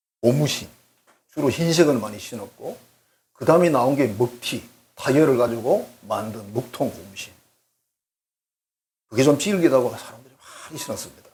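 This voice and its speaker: Somewhat breathy and animated, a man with medium pitch and lively intonation talks at a moderate pace, his loudness swinging widely amid long, frequent pauses. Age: 70s. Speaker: senior pastor. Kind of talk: sermon.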